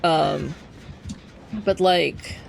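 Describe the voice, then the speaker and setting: A man's voice: a little high, fairly even intonation, extremely slow, vocal fry, slight background noise. A young trans man streaming a game from home, chatting casually with lots of fillers and wry asides. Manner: rambling, many fillers, wry. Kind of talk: casual gameplay chat.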